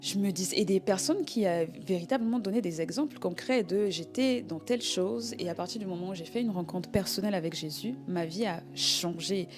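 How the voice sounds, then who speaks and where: A woman's voice: mid-range voice, brisk, hardly any pauses, over music. A woman from Congo giving an unscripted personal Christian testimony, often searching for words and repeating herself as she tells her story.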